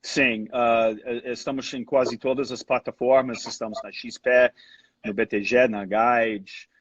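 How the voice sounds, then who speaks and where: Man, mid pitch, hesitant, halting, fillers, dull dry video-call sound. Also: flat delivery, no room sound. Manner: hesitant, many fillers and restarts. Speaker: guest fund manager. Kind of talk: casual interview answers.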